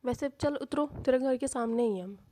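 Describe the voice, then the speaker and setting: A woman's voice: high-pitched, normal speed, mellow. A woman voicing a confident young woman who teases her friend in a strict, bossy tone. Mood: teasing. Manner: teasing, bossy.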